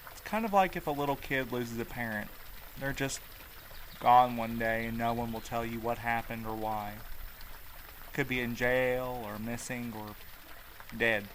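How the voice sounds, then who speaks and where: A man acting as a young husband in an audio drama, loyal but sardonic and on edge. His middle-pitched voice is blunt and snappy, with some ambient noise behind it. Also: steady tone, a little slow, pauses often, a bit bright, lightly acted. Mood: somber, guarded.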